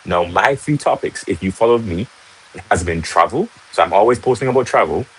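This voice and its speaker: This young Jamaican host has a lowish, husky voice with lively intonation and speaks a little fast in a Jamaican accent. Teaching casually on a livestream from his home in Jamaica, he chats, repeats "right?" and greets viewers as he goes. The recording quality is low.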